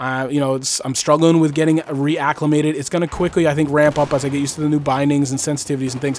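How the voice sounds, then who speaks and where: A man talks at a very fast pace with a fairly high pitch. Noticeable background noise runs behind him. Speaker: gaming YouTuber. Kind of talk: casual vlog talk to viewers. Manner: animated.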